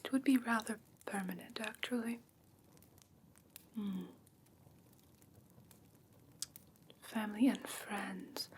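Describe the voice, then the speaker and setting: Woman doing a soft whispery fae lady for asmr roleplay, super slow n breathy, curious and a bit haughty, some background noise. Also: on the high side, natural voice. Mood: inspecting, curious. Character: whimsical female fae creature gently inspecting a human pet. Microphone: close ASMR microphone.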